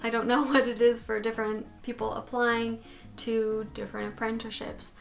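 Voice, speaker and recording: A young Canadian woman speaks at a moderate pace in a slightly high voice with vocal fry. She's chatty and animated, gesturing with her hands in a casual talking-head vlog recorded indoors in her bedroom by a fixed camera at desk distance.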